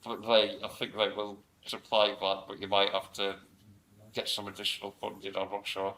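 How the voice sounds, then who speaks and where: A young man speaking on a panel, answering audience questions in a relaxed, joking way. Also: fairly low pitch, moderate pace, poor audio. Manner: joking, self-mocking, relaxed. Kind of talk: casual Q&A answers. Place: meeting room with an audience.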